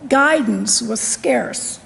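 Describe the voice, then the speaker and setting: A woman in her sixties giving a formal, deliberate award address at a podium microphone in a convention hall. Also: on the high side, gravelly, fairly bright tone, slight background noise. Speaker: lecturer.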